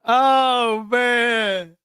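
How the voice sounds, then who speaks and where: A man's voice: very high-pitched, steady tone, very slow, sharp tone, smooth, dry recording, studio quality. A man hosting a reaction show, commenting casually and repeating himself for emphasis, often with a chuckle.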